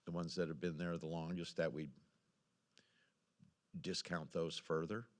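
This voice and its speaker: Very low-voiced male council member. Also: level tone, measured pace. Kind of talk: asking questions at a public meeting.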